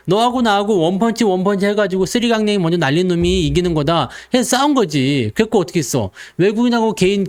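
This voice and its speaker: Man, high voice, very lively pitch, playful market commentary, acts out voices. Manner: playful, acts out investors' voices, jokes with viewers.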